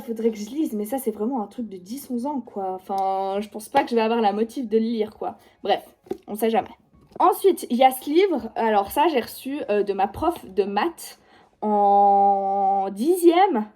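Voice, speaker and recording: Young swiss french girl rambling about books, lots of genre and du coup, soft warm tone. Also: fairly high pitch. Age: young adult, about 18. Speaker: book vlogger. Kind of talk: casual chat showing her reading pile. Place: at home by her bookshelf.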